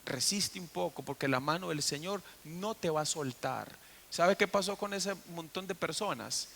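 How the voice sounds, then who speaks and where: A man's voice: on the high side, moderate pace, creaky, fairly bright tone, slight background noise. A man preaching a sermon as pastor, telling the story and putting questions to the congregation. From Costa Rica. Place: church.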